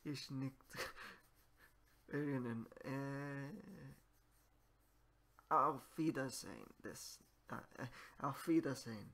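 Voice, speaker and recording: A man talks in halting, broken at a crawling pace. He keeps stopping to search for the next word and restarts his sentences. His voice sits at an ordinary middle pitch. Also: a bit bright. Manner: hesitant, searching for words, broken grammar. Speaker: language learner vlogger. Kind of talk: halting self-recorded practice talk.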